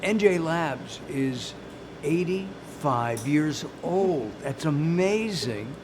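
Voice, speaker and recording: Male host, friendly and teasing, halting delivery, noisy recording. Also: on the high side, animated. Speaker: program host, interviewer. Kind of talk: hosted interview.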